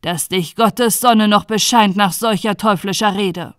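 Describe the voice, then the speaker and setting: A woman's voice: a little high, moderate pace, dry recording, clean studio sound, natural voice. A woman voicing a stern, outraged male judge in a fairy tale, declaiming with indignation. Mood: indignant.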